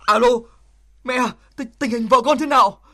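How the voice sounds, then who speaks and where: A man's voice: extremely high pitch, moderate pace, a crowd in the background. An actor playing a young soldier and new father who talks urgently and then tenderly in a TV drama. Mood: relieved. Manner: bossy and urgent, later soft and emotional. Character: young male soldier helping deliver a baby, flustered then tender. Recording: music playing behind. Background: music.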